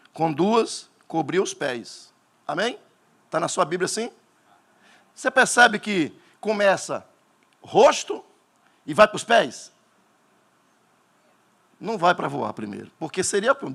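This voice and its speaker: Pastor, male, Northeastern Brazilian accent, fiery sermon delivery, lively swinging pitch. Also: gravelly. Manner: animated preaching, bursts into shouting at climaxes.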